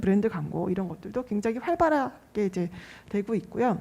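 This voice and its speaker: A woman speaks in a dark, mellow tone with a somewhat breathy quality. Her pitch swings very widely. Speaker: e-commerce team leader, keynote speaker. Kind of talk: conference keynote presentation. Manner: fast.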